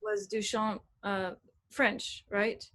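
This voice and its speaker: A woman with a middle-pitched voice speaking in a chatty, curious way, with small hesitations as she works through her thought. She sounds like a moderator guiding a group session. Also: level tone, slow, fairly bright tone. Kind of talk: casual discussion and hosting.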